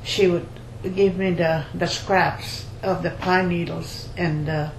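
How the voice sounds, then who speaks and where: Halting older woman in an echoey room. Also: fairly low pitch, steady tone, vocal fry. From rural Louisiana, United States. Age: 70s or older. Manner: halting, repeats phrases. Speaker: basket maker interviewee. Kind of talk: oral history interview, personal recollection. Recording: roomy echo, faint background noise.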